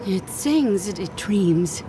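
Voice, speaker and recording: An actress playing a shaken, entranced woman in a video game, speaking haltingly and repeating words as if prophesying. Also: mid-range voice, animated, background noise. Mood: dazed dread. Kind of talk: video game character acting.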